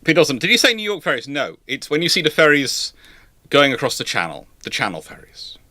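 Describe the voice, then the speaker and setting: Bright-voiced man thinking aloud. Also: fairly high pitch, wildly swooping pitch, fairly quick, no room sound, clean studio sound. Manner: rambling, thinking aloud, self-correcting. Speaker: host of live question-and-answer show. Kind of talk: unscripted discussion, answering viewer questions.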